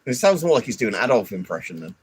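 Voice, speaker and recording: A man's voice: mid-range voice, very animated, fast talker, breathy edge. A man rambling and grumbling through a casual live stream, stuffy with hay fever and swearing often. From United Kingdom. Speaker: livestreamer.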